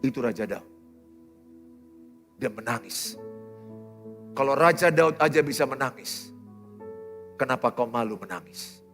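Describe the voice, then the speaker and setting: A man, preaching a sermon as pastor, swinging from loud exhortation to hushed, near-whispered lines. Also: mid-range voice, lively intonation, unhurried, pauses often, faint music behind. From Indonesia. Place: church auditorium.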